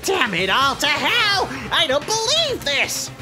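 A man's voice: very high-pitched, huge pitch swings, slow pace, heavily acted. A man voicing a gleeful, sadistic robot bear headmaster in a video game, in a gloating, sing-song way. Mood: furious. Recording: game audio over loud music.

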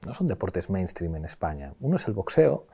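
A man's voice: sits low, very animated, brisk, mellow, slightly rough. A man from Spain hosting an interview, asking probing questions in a casual, colloquial way. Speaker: interviewer, host. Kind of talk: conversational interview.

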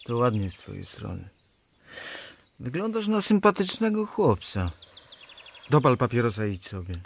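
An actor playing a tired, resigned but gently kind man in a radio play, speaking in short, laconic phrases. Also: medium pitch, very animated, moderate pace, creaky, a little hiss or hum. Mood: wry, kindly. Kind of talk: Polish radio play dialogue.

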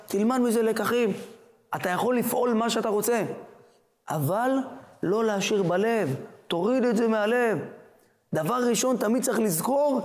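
A rabbi giving a sermon, an animated storyteller who acts out the dialogue of his story. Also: high-pitched, big-room sound.

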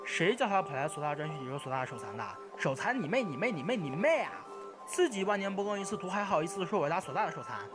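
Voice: medium pitch, sing-song, over music, close to an everyday voice. A performer in an amateur radio drama playing a hyperactive young male gamer who chatters, repeats words and badgers indignantly. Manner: rapid-fire, repetitive, badgering.

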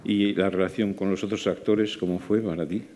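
An older man, interviewing a director with measured, leading questions in a small festival room. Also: low voice, steady tone, a little mellow, a little hiss or hum.

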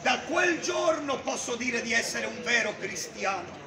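High-voiced man preaching loudly in a street. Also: big pitch swings, measured pace. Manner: loud, declaiming, gesturing with a Bible. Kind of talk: open-air street preaching. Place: busy town street outdoors. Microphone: far camera. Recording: echoey street with crowd noise. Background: crowd and passers-by.

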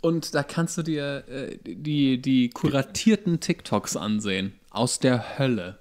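A man's voice: medium pitch, a little slow, a little mellow. A man co-hosting a casual chat, rambling and hesitant, sharing trivia with many fillers. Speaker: podcast co-host.

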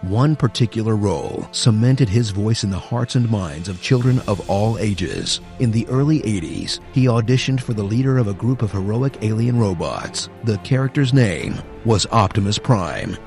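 A man reads scripted tribute narration in a polished announcer style. His voice is low and gravelly with lively rises and falls, over faint music. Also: normal speed, few pauses. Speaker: professional voice actor, narrator.

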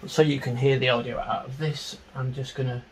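A middle-aged man giving an informal, unscripted tutorial on music software, explaining step by step into a handheld microphone in a small home studio. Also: medium pitch, flat delivery, a little fast, a little hiss or hum, low-quality recording. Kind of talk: informal screen-share tutorial.

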